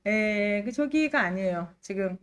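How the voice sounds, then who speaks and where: A woman's voice: mid-range voice, lively intonation, measured pace, clear, resonant tone. A woman teaching exam prep on a livestream, addressing students in an emphatic, conversational way, with a slightly ailing, allergy-affected throat. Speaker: Korean-language exam prep instructor, live lecture host.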